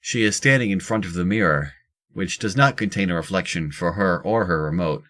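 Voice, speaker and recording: Deep-voiced male story narrator. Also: brisk, fairly bright tone. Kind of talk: scripted audio drama narration.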